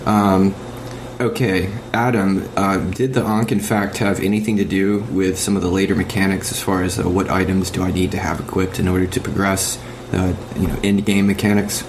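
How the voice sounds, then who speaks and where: A man on a podcast panel, talking casually in a measured, halting way. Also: low voice, level tone. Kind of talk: casual discussion. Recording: noisy lo-fi amateur podcast audio.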